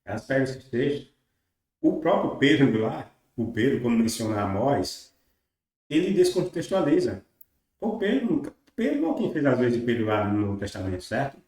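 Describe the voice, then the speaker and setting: A man speaks in a dark, mellow tone, with strong echo all around him. He reads scripture passages slowly and deliberately, then breaks into loose commentary full of checking questions. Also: medium pitch, sing-song. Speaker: religious text critic. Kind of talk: reading aloud and commenting on scripture. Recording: very echoey room.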